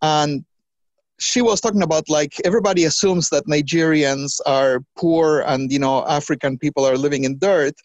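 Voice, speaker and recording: A trans woman talking as a podcast guest, animated, with quick restarts and acted-out quotes. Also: low-pitched, no room sound, low-quality recording. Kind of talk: conversational interview.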